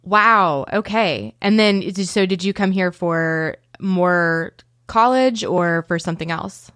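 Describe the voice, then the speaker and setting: A woman's voice: fairly low pitch, takes it slowly, fairly bright tone, no room sound. A woman in her thirties hosting a podcast interview, upbeat and chatty, laughing easily as she asks questions. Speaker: podcast host. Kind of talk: casual interview chat.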